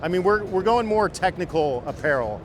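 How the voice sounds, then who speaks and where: A man's voice: sits high, animated, moderate pace, music in the background. A man working as a company rep, explaining products in an enthusiastic demo. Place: busy indoor trade show floor.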